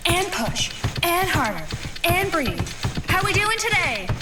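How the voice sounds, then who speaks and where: Relentlessly perky, high-pitched fitness instructor. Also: female voice, very animated, unhurried, heavy background noise, full character voice. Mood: peppy, cheerful. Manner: peppy, chanting, theatrical. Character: relentlessly cheerful female fitness instructor on a spaceship. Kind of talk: audio drama acting, exercise class patter. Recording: slightly distant, loud music behind.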